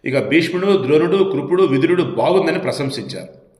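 A man retelling an ancient epic episode by episode, reading steadily and breaking into plain everyday asides and quick self-corrections. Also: on the high side, lively intonation, a little mellow. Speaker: devotional storyteller. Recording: roomy echo.

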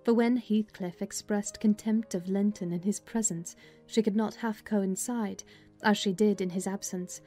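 Woman as plain-spoken housekeeper, mellow tone, measured storytelling, literary audiobook, music behind. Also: medium pitch, lightly acted. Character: plain-spoken housekeeper recounting her late master's family. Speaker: audiobook narrator. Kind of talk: dramatized literary reading.

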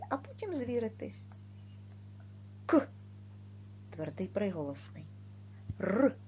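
A woman gives a video lesson for children at an unhurried pace, her pitch rising and falling in a lively way. She pronounces every word and sound with care. The recording is dull and lo-fi, with a faint hum underneath. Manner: slow, clearly articulated, stressing words and sounds. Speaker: primary school teacher.

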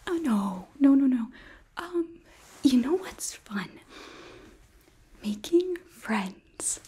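A young woman playing a sweet, earnest hotel hostess from Hell in a whispered ASMR roleplay, gently coaxing and a little hesitant, close to the microphone. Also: sits high, slightly rough, exaggerated voice. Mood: flustered, concerned, then cheerful, earnest. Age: young adult. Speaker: ASMR performer.

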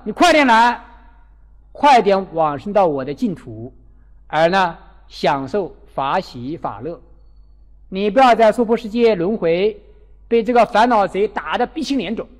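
A man giving a Buddhist dharma talk as a lively storytelling sermon, acting out the people in his stories. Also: sits high. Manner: animated, acts out quoted characters. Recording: long hall reverb.

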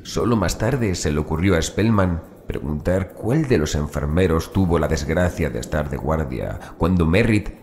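A man reading a horror audiobook as narrator in a measured, phrase-by-phrase manner. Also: extremely low pitch, animated, darkish tone, slight background noise.

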